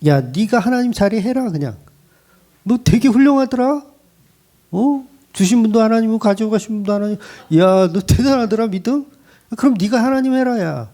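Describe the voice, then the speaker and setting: God as a stern and mocking figure who fires off taunting questions, voiced by a preacher, pitched higher than his plain talk, with a swinging, lively delivery and a warm, mellow tone. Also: moderate pace. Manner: sharp taunting rhetorical questions. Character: stern mocking God scolding a proud man.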